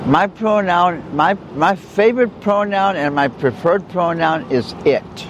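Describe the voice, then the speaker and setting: A man with an American accent speaks at a fairly slow pace in a high voice, with very even loudness and hardly any pauses. Noticeable background noise runs underneath. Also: ordinary pitch variation. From South Texas. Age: 60s. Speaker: transgender body modification enthusiast. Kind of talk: interview. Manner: halting.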